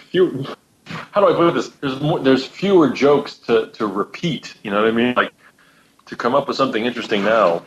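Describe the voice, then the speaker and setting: A man's voice: on the low side, lo-fi sound, slight background noise. A man who is a guest podcaster and musician, chatting casually and searching for words with many restarts. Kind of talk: casual chat.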